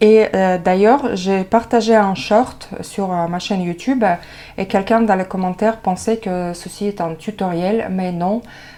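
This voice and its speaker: The speaker talks at a fairly slow pace in a dark, mellow tone. The voice carries a Russian accent with fairly even intonation. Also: woman, medium pitch for a woman. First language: Russian (speaking French). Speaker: knitting podcaster. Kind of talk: casual knitting podcast, improvised. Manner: halting, many fillers.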